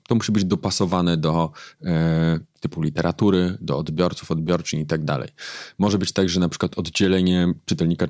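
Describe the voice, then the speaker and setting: A man, a book editor, explaining his craft thoughtfully in an interview, pausing often with fillers. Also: deep voice, darkish tone, no room sound, clean studio sound. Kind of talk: interview conversation.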